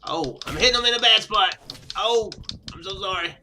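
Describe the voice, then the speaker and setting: A man doing casual, chatty game commentary with excitable reactions. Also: high-pitched, moderate pace, faint music behind. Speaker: gaming video player. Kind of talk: casual game commentary, reading dialogue aloud.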